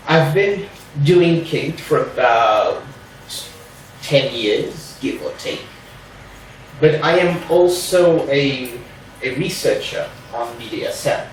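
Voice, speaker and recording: A man's voice: a little high, slight background noise. A man from Portugal with a Portuguese accent, a non-native English speaker, giving a careful, hedging introductory talk to a reading group. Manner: careful, hedging, many "sort of" fillers. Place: room at a group meeting. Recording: very echoey room, mic far off.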